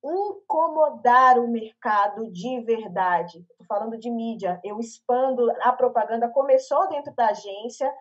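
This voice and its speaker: A Brazilian woman speaking as a guest in a casual live panel chat, an animated and expressive storyteller on a video call. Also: fairly high pitch, unhurried, hardly any pauses. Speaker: panel guest, media professional. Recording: lo-fi online call audio.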